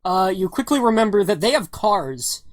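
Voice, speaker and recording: Woman, game master, tabletop game narration, casual, middle pitch, dry sound. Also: big pitch swings, normal speed, dry recording. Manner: casual, laughing, frequent "all right" and "uh".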